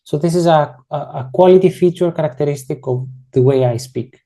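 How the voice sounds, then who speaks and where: Mellow-voiced instructor walking through code. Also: mid-range voice, brisk. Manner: casual, explains step by step while working through code; frequently rephrases and corrects itself mid-sentence. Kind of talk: online coding tutorial.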